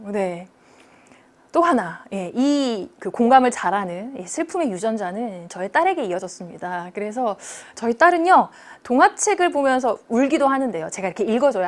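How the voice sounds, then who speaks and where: A woman teacher lecturing with a bright, fairly high voice that leaps up and down in pitch. She keeps her students engaged and often stops to check that they are following. Her delivery is lively and expressive throughout.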